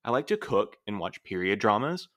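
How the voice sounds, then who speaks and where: A man plays a reserved postmaster in an audio drama, his voice on the low side. He speaks formally and precisely, dry yet earnest, a dutiful sort who measures his words. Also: very animated, normal speed, a bit bright. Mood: dignified. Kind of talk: scripted audio drama acting.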